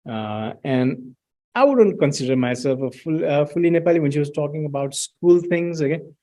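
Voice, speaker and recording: A middle-aged man presenting research findings at an academic talk, pausing often with fillers and restarts. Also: on the high side, expressive, mellow. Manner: hesitant, many fillers and restarts, reads out student quotes.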